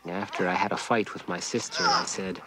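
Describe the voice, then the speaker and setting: A man narrating a cartoon as a grown man recalling his boyhood, with a gravelly voice. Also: low voice, steady tone, a little fast, very noisy, close to an everyday voice. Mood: reflective. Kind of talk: scripted first-person storytelling narration.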